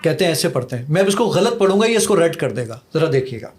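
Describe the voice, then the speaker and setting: Man, middle-aged, high-pitched, eager demo-driven podcast guest, counts off seconds as he shows features. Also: sing-song, noisy background. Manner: eager, rapid-fire demonstrating, counts seconds aloud. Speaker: app developer guest. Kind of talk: podcast interview with live app demo.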